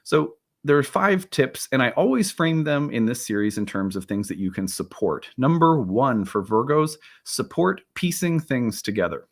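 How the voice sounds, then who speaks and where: A man in his thirties, a little hoarse from a cold, hosting a relaxed, rambling talk about astrology. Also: medium pitch, moderate pace, hardly any pauses. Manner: relaxed, rambling, with many fillers and restarts. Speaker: astrology teacher and channel host. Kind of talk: casual solo talk to camera.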